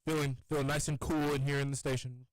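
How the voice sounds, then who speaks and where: A man's voice: medium pitch, flat delivery, quick pace, no room sound, poor audio. A young man co-hosting a sports radio show, sounding congested and talking in an easygoing, rambling way. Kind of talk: casual sports radio chat. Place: radio studio. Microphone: studio microphone.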